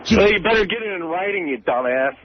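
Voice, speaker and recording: A man with a high-pitched voice calls in on a narrow, slightly noisy phone line. He is abrasive and mocking, heckling with plenty of swearing. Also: lively intonation, fast talker. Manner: abrasive, mocking, foul-mouthed. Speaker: caller. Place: on a work site, by phone. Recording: tinny noisy phone call.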